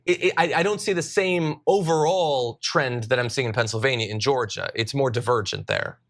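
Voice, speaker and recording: A male panel analyst walks through county vote counts on live election coverage. His delivery is careful and measured, with frequent qualifications. His voice sits in a middle pitch range. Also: a bit bright. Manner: careful, hedging, full of numbers. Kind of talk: live election night commentary.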